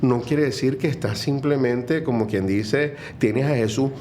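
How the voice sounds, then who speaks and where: A man's voice: medium pitch, a little slow, a little mellow, slight background noise. A middle-aged man with a Venezuelan accent, a guest speaking earnestly and reflectively in a conversational interview, with many fillers and restarts. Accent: Venezuelan Spanish. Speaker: guest, Catholic music minister.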